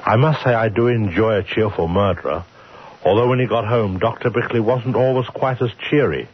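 A man's voice: lowish voice, a little fast, husky. A man narrating an old-time radio suspense story in a wry, conversational storytelling manner. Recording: muffled, hissy old radio recording.

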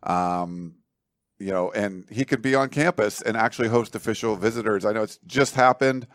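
A man with a fairly low voice hosts a casual sports podcast. The sound is dry, with little room echo, and he puts his questions in a chatty, roundabout way. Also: normal speed.

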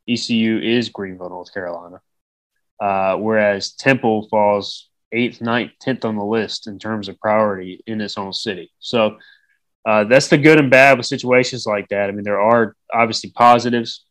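A man's voice: fairly low pitch, steady tone, normal speed, a bit bright, dry recording, poor audio. A man with a slightly nasal voice hosting a sports podcast, talking casually through his opinions and game predictions. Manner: conversational, gives opinions and predictions. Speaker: podcast host.

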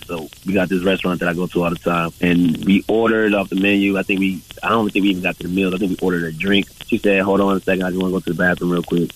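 Deep, fast-talking male radio caller. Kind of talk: casual storytelling. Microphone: telephone. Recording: faintly noisy call-in audio.

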